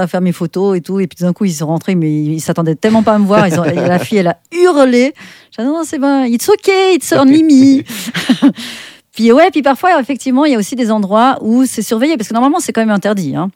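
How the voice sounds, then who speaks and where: A middle-aged woman with a Swiss French accent, chatting as a guest in an interview, full of fillers and restarts and quick to laugh. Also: medium pitch, animated, darkish tone, dry recording, clean studio sound. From Switzerland. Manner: chatty, many fillers and self-corrections, laughs often. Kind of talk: casual interview chat.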